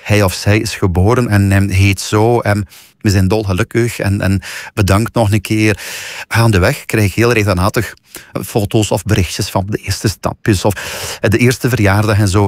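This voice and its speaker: Man's voice disguised, shifted deep. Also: fairly even intonation, normal speed, dry recording, studio quality. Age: 40s. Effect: voice disguised by AI, pitch shifted deep. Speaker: sperm donor. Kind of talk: recorded interview clip.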